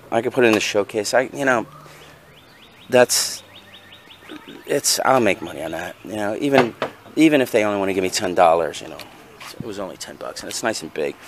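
A man's voice: fairly low pitch, slight background noise. A man from New casually rambling through his garage sale finds in a vlog, full of fillers and self-deprecating asides, recorded on a handheld camera outdoors. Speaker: reseller vlogger. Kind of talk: casual show-and-tell. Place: outdoor patio, then in a car.

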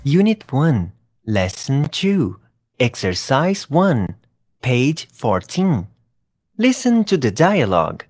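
A narrator reading textbook audio instructions in slow, measured announcing. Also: mid-range voice, sing-song, a little mellow, faint music behind. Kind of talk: scripted narration.

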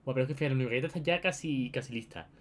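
A man's voice: mid-range voice, racing, fairly bright tone. A young man with an accent from Spain giving casual, chatty gameplay commentary to his viewers, often repeating his phrases. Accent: Spain Spanish. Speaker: gaming video host.

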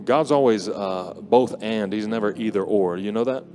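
A man in his forties preaching on an arena stage with a handheld mic, speaking earnestly and softly with many pauses. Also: on the low side. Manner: earnest, soft-spoken, pausing often with fillers. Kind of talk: closing exhortation at a conference. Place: large indoor arena stage. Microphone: handheld microphone. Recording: live music under the voice. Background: worship music.

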